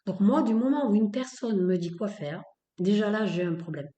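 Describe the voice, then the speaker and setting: A woman's voice: medium pitch, lively intonation, normal speed, mellow, echoey room, highs cut off. A woman hosting a spoken podcast episode, talking in a blunt, opinionated way, with many fillers and repeated phrases. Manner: emphatic, repetitive, with many fillers. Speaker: podcast host.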